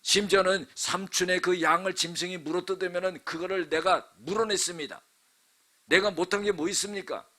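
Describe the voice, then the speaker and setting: A male pastor acting out the biblical patriarch Jacob, protesting his innocence with loud rhetorical demands. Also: sits high, steady tone, moderate pace, voice pushed up. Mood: indignant. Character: indignant biblical patriarch Jacob, middle-aged man.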